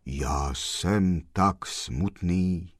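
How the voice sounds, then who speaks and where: A man voicing a mournful gentleman dressed in black, speaking in a hollow, grave voice, slow and sorrowful. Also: mid-range voice, very animated, dry recording, studio quality.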